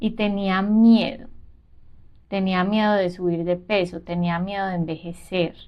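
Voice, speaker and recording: Fairly even intonation runs through this speech, which proceeds at a fairly slow pace. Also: woman, medium pitch for a woman. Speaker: personal growth podcaster. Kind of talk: reflective monologue. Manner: soft-spoken.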